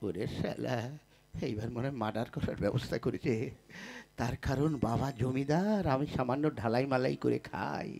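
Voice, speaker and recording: A man's voice: medium pitch, moderate pace, gravelly, darkish tone, slightly rough. A man playing a henpecked, boastful young labourer in love in a Bengali folk puppet comedy, with wheedling, blustering patter. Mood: fearful muttering.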